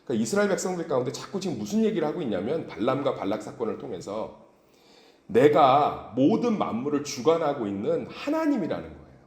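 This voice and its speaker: A male pastor preaches an early-morning sermon in a church sanctuary, retelling stories and asking his listeners rhetorical questions. His pitch rises and dips expressively. His voice rings out in the echoey room. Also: a little mellow. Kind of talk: dawn service sermon.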